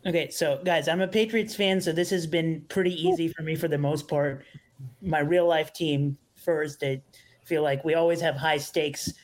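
Young man, slightly high, hesitant. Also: steady tone, normal speed. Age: young adult. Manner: hesitant, restarts often with fillers. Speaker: podcast guest, fantasy sports analyst. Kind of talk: casual interview chat.

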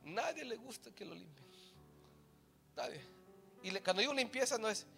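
A man with a Latino Spanish accent preaching a bilingual sermon as a pastor, mixing English into his Spanish and swinging between loud, forceful passages and quiet, low emphasis. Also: big pitch swings, moderate pace, creaky, soft background music. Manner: switches between Spanish and English mid-sentence.

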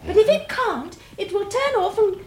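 An actress playing a bright, cheeky, observant young girl in a 1960s British radio drama, inquisitive and insistent, with a British accent. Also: extremely high pitch, lively intonation, moderate pace. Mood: earnest, explaining. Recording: noisy, roomy 1960s radio drama recording.

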